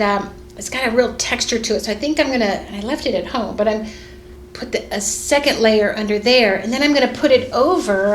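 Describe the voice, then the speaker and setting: A woman's voice: a little high, slight background noise. Chatty middle-aged woman in an echoey sewing room. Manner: chatty, rambling, many fillers and restarts. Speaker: fashion designer and sewing vlogger. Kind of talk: casual chat while sewing. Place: sewing studio indoors. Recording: echoey room with faint ambience.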